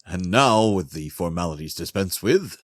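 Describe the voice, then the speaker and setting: A man's voice: low-pitched, animated, normal speed, no echo, clean studio sound. An actor playing a formal, stately king with a courtly manner in a fantasy audio drama.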